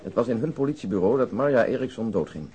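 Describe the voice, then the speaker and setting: Brisk actor as a male detective recounting a case. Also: medium pitch, lively intonation, a little mellow, close to an everyday voice. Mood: matter-of-fact, grave. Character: male police detective briefing colleagues on an old case. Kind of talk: Dutch radio crime drama dialogue.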